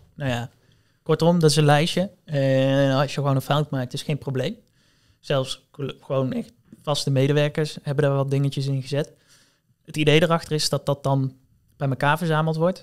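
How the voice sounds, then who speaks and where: On a very clean recording with a silent background, a man with a fairly high pitch speaks at a moderate pace with fairly even intonation and long, frequent pauses. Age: 20s. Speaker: intern and podcast host. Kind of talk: casual chat.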